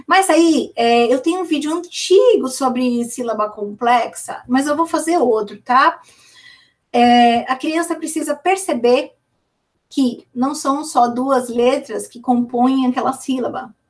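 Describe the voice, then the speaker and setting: Brazilian woman teacher, reassuring and slightly distant. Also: sits high. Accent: Brazilian Portuguese. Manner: reassuring, repeats sounds slowly to demonstrate. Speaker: literacy teacher answering viewer questions. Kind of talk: casual live Q&A teaching.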